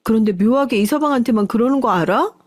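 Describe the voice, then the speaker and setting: An earnest grown daughter, voiced by a woman reading a radio story, coaxing and a little raised in pitch. The sound is dry and close. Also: expressive, fast talker, no echo. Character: devoted adult daughter, worried wife.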